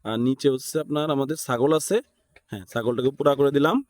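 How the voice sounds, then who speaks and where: A man with a Bangladeshi accent talks through a tutorial step by step in a mid-range voice. He is casual and unscripted, thinking out loud as he works and often tacking on a short question to check in. The sound is dry, with little room echo. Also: mid-range voice, fast talker. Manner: thinks aloud, often seeks agreement with short tag questions. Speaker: tutorial instructor.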